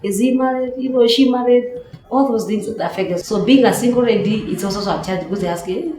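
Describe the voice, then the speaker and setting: A woman with a Kenyan accent speaking haltingly about her own life in a documentary interview. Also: fairly high pitch, mellow. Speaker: student and election candidate. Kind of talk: personal account in documentary interview. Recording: echoey room, music underneath. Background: background music.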